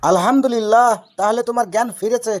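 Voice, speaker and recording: Woman voicing a high-pitched, pestering cartoon husband. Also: fairly even intonation, quick pace, darkish tone, natural voice. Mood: concerned. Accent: Rajshahi Bengali. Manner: innocently questioning, persistent. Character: maddeningly literal, pestering cartoon husband, cheerfully obtuse. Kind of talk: comic cartoon dialogue.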